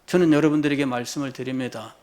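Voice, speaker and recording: A middle-aged pastor preaches fast, swinging from hushed, low lines to loud, high exclamations while his tone stays steady. He repeats phrases and fires rhetorical questions at the congregation.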